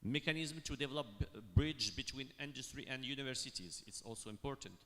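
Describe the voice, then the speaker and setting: A man from Morocco speaking on a panel, halting and full of fillers and restarts. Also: mid-range voice, pushed and bright. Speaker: university panelist. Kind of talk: panel discussion remarks. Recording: long hall reverb.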